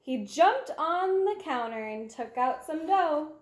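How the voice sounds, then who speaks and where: Female, 20s, children's storyteller. High pitch, slow and expressive delivery, recorded in a roomy home space. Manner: simple, expressive, addressing young children. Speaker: read-aloud storyteller. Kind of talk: children's picture book read-aloud. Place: small room at home, indoors.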